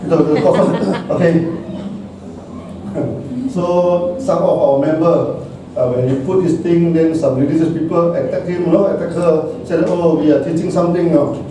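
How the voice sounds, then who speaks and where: A middle-aged man with a Malaysian English accent, talking casually and haltingly, repeating words and chuckling often. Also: on the high side, steady tone, noisy background. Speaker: speaker discussing meditation. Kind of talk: casual talk. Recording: echoey room, far-off mic.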